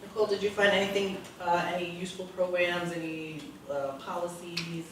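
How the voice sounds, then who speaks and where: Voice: medium pitch, flat delivery, a little fast, recorded from a distance. Panel moderator, noisy echoey hall. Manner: friendly, asks questions. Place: event hall.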